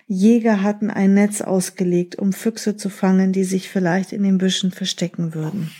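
Slow, husky woman reading a story. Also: medium pitch. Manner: gentle, addresses the child listener directly. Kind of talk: reading a children's story aloud.

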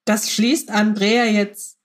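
A woman's voice: medium pitch, flat delivery, slow pace. A woman hosting a podcast, putting questions to guests in a conversational way. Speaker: podcast host. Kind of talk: conversational interviewing.

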